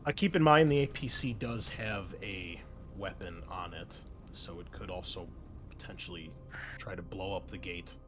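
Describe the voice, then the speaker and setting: A man's voice: sits low, normal speed, music in the background. A man narrating a tabletop game as game master, explaining things in an informal, improvised way.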